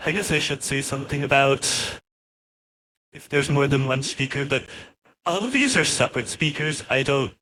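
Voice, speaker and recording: A man giving a casual, rambling software walkthrough, his voice processed by a real-time AI voice changer. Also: medium pitch, moderate pace, poor audio. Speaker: host demonstrating voice changer software.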